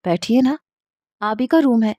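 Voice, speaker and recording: A woman's voice: fairly high pitch, lively intonation, mellow, no room sound, lo-fi sound, natural voice. A woman voicing an obsessive, jealous young man in a storybook reading, speaking in a heated, demanding way. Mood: obsessive, angry.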